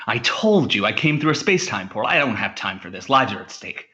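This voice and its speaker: Earnest, pompous spaceman, lowish forceful voice, stilted formal delivery, audio comedy. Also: very animated, a little fast, muffled recording. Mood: urgent, self-important. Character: earnest, pompous space hero lost at an Earth dance. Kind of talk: audio comedy drama acting.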